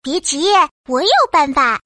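A woman voicing a clever, lively little frog in a children's audio story. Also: high voice, unhurried, dry recording, studio quality. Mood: eager, chirpy.

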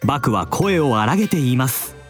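A man narrating a children's storybook drama in an expressive, drawn-out, dramatic manner. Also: medium pitch, faint music behind.

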